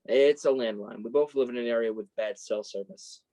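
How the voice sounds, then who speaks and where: A man's voice: mid-range voice, brisk, dark tone, natural voice. A man playing a sensitive, embarrassed college freshman in a play reading, guarded and dryly self-deprecating. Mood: wry, defensive. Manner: self-deprecating, dry sarcasm. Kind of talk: staged reading of a play, naturalistic dialogue.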